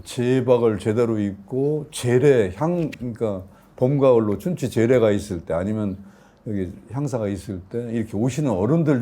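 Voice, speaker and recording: Dark-voiced man telling animated stories. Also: lowish voice. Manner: animated anecdotes with acted quotes and laughter. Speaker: professor guest. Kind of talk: conversational interview storytelling.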